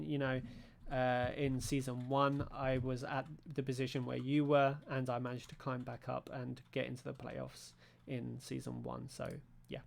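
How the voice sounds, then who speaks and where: A man from Britain hosting a league stream recap in a casual, rambling way, full of fillers and restarts. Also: gravelly. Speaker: league show host. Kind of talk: casual stream wrap-up commentary. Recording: low-volume audio from his end.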